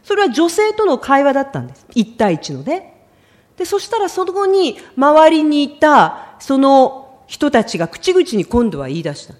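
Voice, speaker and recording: High, lively woman preaching. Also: moderate pace. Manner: storytelling, acts out quoted lines, emotional and expressive. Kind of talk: sermon.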